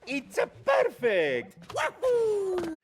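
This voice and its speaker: An actor playing a cheery cartoon plumber hero with an exaggerated fake Italian accent, over faint music. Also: male voice, extremely high pitch, huge pitch swings, very slow, gravelly, a little hiss or hum, full character voice. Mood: playful.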